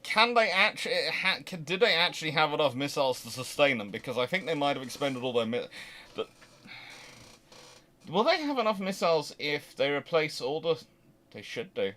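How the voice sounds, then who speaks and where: Here the naval history channel host sounds higher, expressive and sharp-toned. Fielding questions live about history without a script, he keeps stopping and starting over, reasoning aloud and punching key words with strong emphasis.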